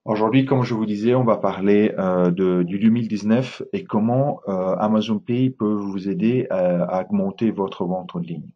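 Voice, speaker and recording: A man's voice: on the low side, steady tone, normal speed, hardly any pauses, lo-fi sound. A man from Italy speaking French with an Italian accent, giving a webinar presentation, hesitant with many fillers and restarts.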